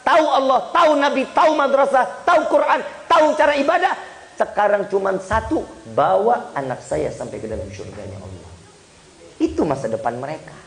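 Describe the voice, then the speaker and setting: A man preaches a light-hearted Islamic sermon. His voice sits high for a man, and he jokes with the crowd and asks them questions as he goes. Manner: lively, joking, addresses the audience directly. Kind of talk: humorous Islamic sermon to a congregation.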